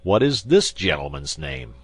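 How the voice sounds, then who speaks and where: A stern, pompous commissary with a deep voice who questions forcefully and loudly, played by a man. The reading is close and dry, like a storybook. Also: sing-song, unhurried, breathy edge, dry recording, exaggerated voice. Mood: exasperated.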